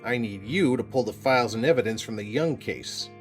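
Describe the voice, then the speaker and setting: An actor playing a brusque police boss who hands out orders curtly. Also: male voice, medium pitch, brisk, soft background music, lightly acted. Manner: gruff, dismissive, curt. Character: brusque middle-aged male police boss.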